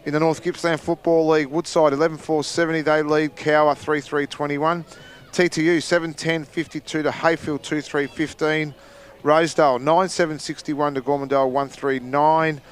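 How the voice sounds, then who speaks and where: This Australian man talks footy at a country ground, breaking down the game and reading scores around the league. His voice is a touch high and clean-toned, and he is chatty and self-deprecating, laughing off his own mistakes. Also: flat delivery, normal speed, clean tone. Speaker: expert commentator. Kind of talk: casual football analysis and score reading. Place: outdoor football ground.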